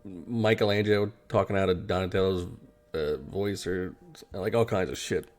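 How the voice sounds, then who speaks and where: A man's voice: low voice, normal speed, darkish tone. A man chatting casually about cartoons and games, with casual swearing. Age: adult. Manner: casual, profane. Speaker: podcast host.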